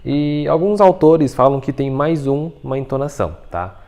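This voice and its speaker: Explaining pronunciation patiently in a relaxed video lesson, this Mandarin teacher peppers his speech with "tá?" and "né?". His voice sits a little high and sounds expressive and dark, at a normal speed.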